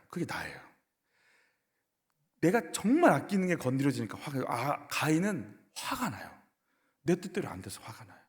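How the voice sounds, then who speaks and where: A man, the senior pastor, preaching a sermon in a church and asking the congregation rhetorical questions with emphasis. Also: a little high. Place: church sanctuary. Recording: echoey church hall.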